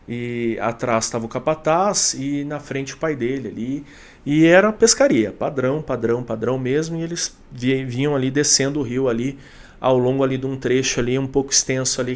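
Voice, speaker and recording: A man hosting a channel, telling supernatural fishing tales in a loose conversational way with many fillers and restarts. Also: mid-range voice. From Brazil. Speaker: storyteller host of a channel. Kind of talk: casual storytelling of supernatural tales.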